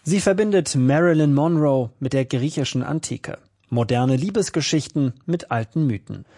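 A male correspondent reads a culture report in a composed manner. His voice is a little high and has a husky edge. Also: moderate pace, warm tone. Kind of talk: scripted news narration.

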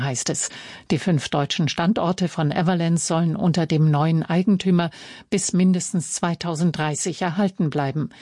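A female newsreader with a lowish, mellow voice. She reads in a measured, formal tone. The studio sound is dry and close. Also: no room sound. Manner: measured, even, formal delivery. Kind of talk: radio news reading. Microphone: studio microphone.

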